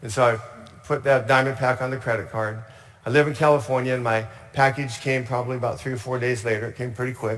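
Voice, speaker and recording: The speaker has a plain, everyday voice. The pace is fairly quick and the intonation fairly even. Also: man. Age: 60s. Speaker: chimney sweep giving product testimonial. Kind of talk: testimony. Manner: casual, conversational storytelling.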